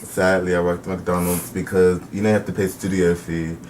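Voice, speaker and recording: A man's voice: low voice, level tone, brisk, darkish tone. Young guy hosting student radio, chatty, lots of laughs, kinda far from the mic, faint hiss. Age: young adult. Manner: chatty, laughs often, upbeat. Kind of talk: casual interview. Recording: distant mic, faint background noise.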